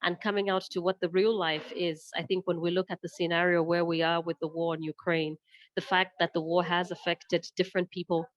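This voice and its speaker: Low-pitched woman, dry close sound. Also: level tone, brisk, no room sound, dull audio. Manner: tentative, rambling, self-correcting. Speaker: invited discussion participant. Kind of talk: spontaneous discussion remarks. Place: online video call.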